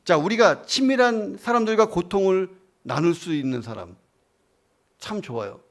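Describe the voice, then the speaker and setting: A man's voice: sits high, animated, moderate pace. A male pastor preaching a sermon. He tells a story and asks his listeners questions.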